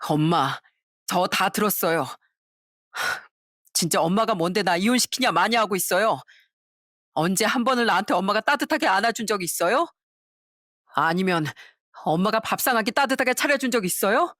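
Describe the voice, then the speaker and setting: A woman's voice: mid-range voice, lively intonation, normal speed, long pauses, a bit bright, dry recording. A woman voicing a grown son who reproaches his mother, in a dry recording. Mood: reproachful. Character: resentful adult son confronting his mother.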